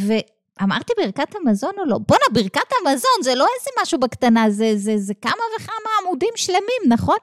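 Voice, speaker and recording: Animated Israeli woman teaching a text. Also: high voice, dry recording, studio quality. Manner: animated, asks rhetorical questions, checks in with "okay?". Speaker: teacher of Jewish texts. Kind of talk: lecture on a religious text.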